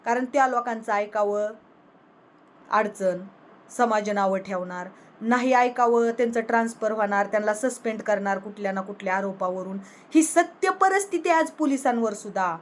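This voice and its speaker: A woman's voice: mid-range voice, normal speed. A woman vlogger in a political rant, angrily scolding a rival with rhetorical questions. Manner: angry, scolding, confrontational.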